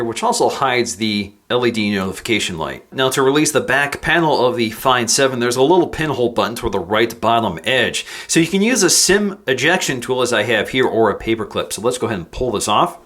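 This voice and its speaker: A man reviewing tech, calmly explaining each step of a phone unboxing as he goes. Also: mid-range voice. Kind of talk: product unboxing walkthrough.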